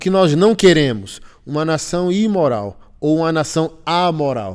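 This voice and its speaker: A man's ordinary speaking voice with lively intonation at a fairly slow pace. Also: fairly high pitch for a man. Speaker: pastor and podcast host. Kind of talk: podcast conversation.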